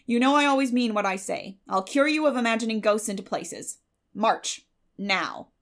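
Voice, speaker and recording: Woman playing a stern, creaky older guardian. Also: a little high, natural voice. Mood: unyielding. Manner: firm, brisk, scolding, unsympathetic. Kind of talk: dramatic audiobook character acting.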